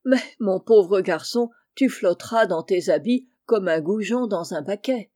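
A jovial, prankish gentleman from a classic storybook, read by a woman. He teases the boys in a good-humoured, mellow voice at an even middle pitch. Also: unhurried. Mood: amused.

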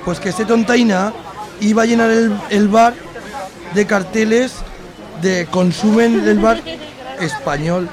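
A man playing an excitable bar regular who tells brawling tales in a radio comedy. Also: high voice, slow pace, pauses often, crowd noise. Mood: excited, indignant. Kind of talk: amateur radio soap comedy.

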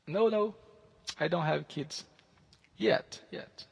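Halting man, gravelly. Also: high-pitched. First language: Portuguese. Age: 30s. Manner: halting, searching for English words. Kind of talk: casual chat with online stranger.

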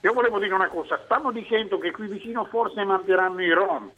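A man's voice: sits high, fast, no room sound, faint music behind. Man calling in over a thin phone line. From Mantova area, Italy. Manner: insistent, keeps repeating himself. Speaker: caller. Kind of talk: call-in to a radio talk show. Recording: dull, dry phone line.

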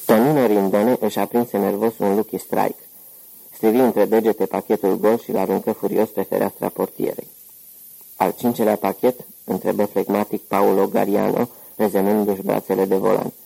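A man narrating an audiobook novel with a steady, measured reading. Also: lowish voice, vocal fry, poor audio. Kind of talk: scripted narration.

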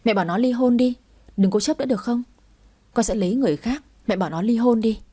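A woman's voice: on the high side, fast talker, mellow, husky. A woman voicing a selfish adult son on a phone call, pleading with his mother to push his wife into a divorce. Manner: pleading, insistent.

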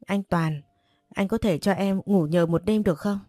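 A woman's voice: mid-range voice, moderate pace, mellow, dry recording, studio quality, close to an everyday voice. A woman voicing a spoiled, whiny young woman guest who pleads and sneers, in a storybook. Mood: pleading.

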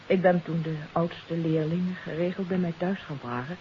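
An actress playing a troubled countess in a 1950s radio mystery, confessing earnestly and hesitantly. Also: female voice, lowish voice, steady tone, normal speed, lightly acted. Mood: confiding. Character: troubled countess confessing her part in a kidnapping. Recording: hissy, dull 1950s radio recording.

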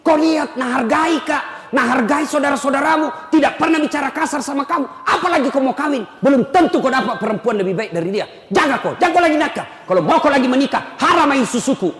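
A man's voice: very high-pitched, expressive, fast, few pauses, crowd noise, pitched above the performer's own voice. A man voicing a stern old mother who scolds her son emphatically. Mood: scolding. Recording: echoey hall, long reverb.

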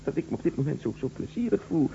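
A man's voice: fairly high pitch, big pitch swings, fast talker, vocal fry, mellow, soft background music. An actor playing a flustered, defensive lover in a radio drama, stammering and repeating his words hesitantly. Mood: flustered, pleading. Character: flustered, defensive lover caught in a love triangle. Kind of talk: Dutch radio drama acting. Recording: dull lo-fi radio recording, faint hum.

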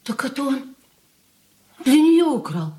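An actress playing a fussy married daughter who pleads and tries to keep peace in the family in a radio play. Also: female voice, high voice, sing-song, slow pace, dark tone, exaggerated voice. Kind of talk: 1980s studio radio play acting.

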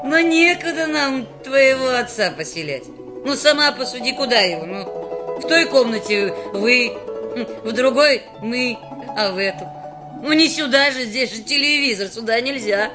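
A woman's voice: on the high side, animated, normal speed, music in the background, lightly acted. An actress playing a stingy, nagging middle-aged mother-in-law in a radio play. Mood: coaxing. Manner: scolding, nagging. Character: stingy, scolding mother-in-law, sharp-tongued. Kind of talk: Soviet radio play acting.

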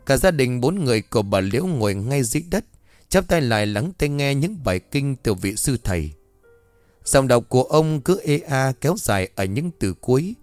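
A man narrating a ghost story in a measured, scripted way. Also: medium pitch, no echo. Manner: even, measured storytelling with voiced dialogue. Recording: dry voice over faint music.

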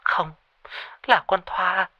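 A man's voice: on the high side, brisk, sharp tone, no room sound, highs cut off, pitched above the performer's own voice. A man voicing a terrified young woman who stammers and pleads over the phone in a ghost story. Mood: frightened. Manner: stammering, panicky, breathless pleading.

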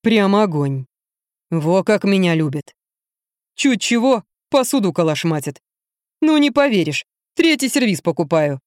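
A woman narrator lowers her voice to play a heavy-set, dim-witted man who drawls his words slowly and grumbles. The sound is close and dry. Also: big pitch swings, a little mellow, dry recording. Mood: slow grumbling.

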